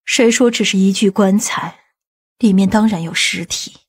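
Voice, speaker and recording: A woman playing a composed, scheming aunt in an audiobook, measured and authoritative. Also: medium pitch, slightly rough, lightly acted. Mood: firm. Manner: measured, matter-of-fact, authoritative. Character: composed, commanding, scheming aunt of a powerful family.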